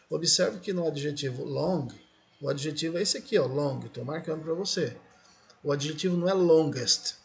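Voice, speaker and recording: A man's voice: a little high, creaky. A male English teacher with a Brazilian Portuguese accent, explaining grammar patiently in a recorded lesson and checking often that students follow. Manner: patient, repeats "certo?" and "ó" to check understanding.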